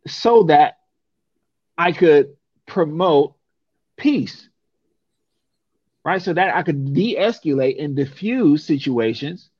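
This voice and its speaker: A man's voice: a little high, lively intonation, slow pace, pauses often, darkish tone, slightly rough, no echo, muffled recording. A young man from San Francisco, talking casually and emphatically, often ending points with a rhetorical "right?". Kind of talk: casual conversation.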